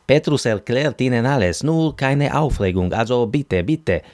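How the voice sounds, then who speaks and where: A man's voice: mid-range voice, animated, a little slow, a little mellow, no echo, voice pushed up, close to an everyday voice. A man doing a pompous, pushy Arab Christian man. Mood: effusive. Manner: pompous, insistent, repeats himself. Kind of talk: audiobook character voice.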